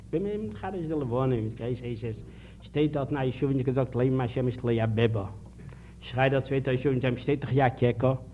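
A man giving a public lecture, telling anecdotes and putting emphatic rhetorical questions to his listeners. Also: mid-range voice. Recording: tinny archival 1950s lecture tape with faint hiss.

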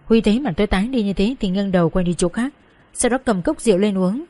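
A woman narrating a first-person story in a steady, plain reading voice. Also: mid-range voice, fast.

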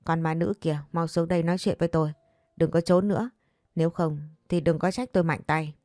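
A woman's voice: low-pitched, fairly even intonation, brisk, a little mellow, no room sound, studio quality, natural voice. A woman voicing an older female exorcist who gives orders but is easily rattled. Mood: commanding. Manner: commanding then flustered. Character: older female exorcist, bossy then panicky.

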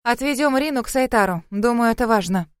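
A woman's voice: on the high side, animated, a little fast, clean tone, no room sound, studio quality, lightly acted. A woman voicing a serious, red-haired fox woman with seven tails, who speaks in a firm, decisive way.

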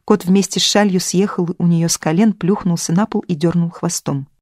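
Measured audiobook narrator, dry sound. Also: mid-range voice, fairly even intonation, a little mellow, dry recording. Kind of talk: scripted narration.

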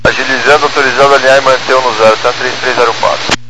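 A man's voice: medium pitch, level tone, very fast. A Brazilian man, an airline pilot, making clipped procedural callouts and readbacks over aircraft radio. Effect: radio transmission. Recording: very noisy cockpit radio.

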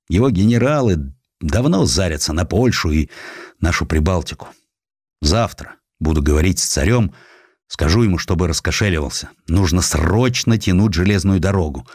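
A man's voice: deep voice, a little mellow, no room sound, studio quality. A man playing a blunt, passionate and headstrong Russian general in a dramatized audiobook. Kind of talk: audiobook character acting.

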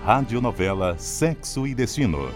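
A man's voice: medium pitch, big pitch swings, moderate pace. A Brazilian man announcing scripted credits for a radio serial. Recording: music clearly behind the voice.

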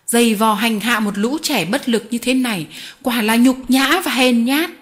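A woman reading an audiobook voices a stern old man who confronts a cruel boss, speaking forcefully and indignantly. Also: a little high, moderate pace, close to an everyday voice. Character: stern old male street musician, righteous.

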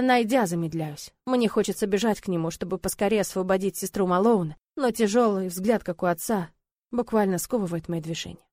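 A woman's voice: mid-range voice, a little mellow, dry recording. A woman narrating an audiobook in a tense, emotional first-person reading.

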